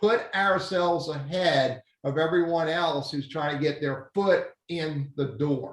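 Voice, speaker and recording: A man speaks at a fairly slow pace. His voice sits high for a man. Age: 60s. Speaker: webinar host and social media strategist. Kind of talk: casual chat. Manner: animated.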